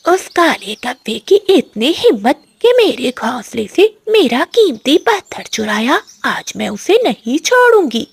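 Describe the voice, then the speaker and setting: A woman's voice: high voice, very animated, measured pace, dry recording, heavily acted. A woman voicing a fierce, angry female eagle aunt in a cartoon. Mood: furious.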